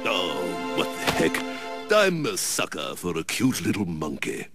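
A man voicing a grumpy, theatrical cartoon mystic who mixes booming pronouncements with peevish chat. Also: wildly swooping pitch, measured pace, full character voice. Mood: grumbling. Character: grumpy, theatrical all-powerful Master of Evolution. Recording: loud music behind.

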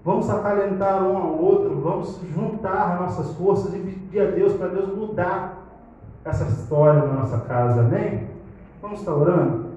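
A man's voice: high-pitched, moderate pace, dark tone. Man praying fervently in an echoey church. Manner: repeats "ó Pai" and "ó Deus" between phrases, rising in intensity. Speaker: preacher leading prayer. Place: small church hall, indoors. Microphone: handheld mic. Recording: very echoey room, slightly dull sound.

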